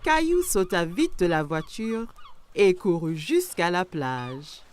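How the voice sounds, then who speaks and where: A woman giving scripted storybook narration for a children's cartoon, expressive and aimed at young listeners. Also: fairly low pitch, slow.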